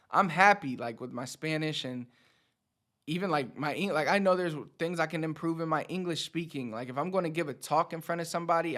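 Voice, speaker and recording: A man's voice: a little high, fairly bright tone. A man in his thirties talking casually and motivationally to his audience as a teacher, conversational, repeating words for emphasis. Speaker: Spanish teacher and channel host. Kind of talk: casual motivational talk to camera.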